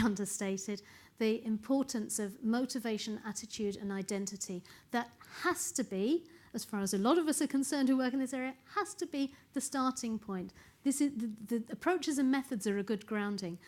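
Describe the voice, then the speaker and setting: Earnest woman researcher presenting. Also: fairly high pitch. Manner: earnest, emphatic, repeats words while thinking. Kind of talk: conference presentation. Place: lecture room.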